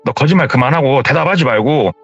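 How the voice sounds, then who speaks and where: Man doing a bossy big brother, rough and scolding, pitch jumps when he yells. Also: expressive, fast talker. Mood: angry. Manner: gruff scolding, rough swearing. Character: stern older teenage brother, scolding. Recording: slightly muffled with faint music.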